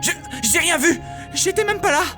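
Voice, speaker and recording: A hapless young smuggler, played by a man, talks with very lively, swinging pitch. He is flippant and easily rattled, full of sarcastic self-mockery, in an audio drama with music underneath. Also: moderate pace. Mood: panicked. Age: young adult. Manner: self-mocking, sarcastic, excitable. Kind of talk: dramatised audio narrative, character acting.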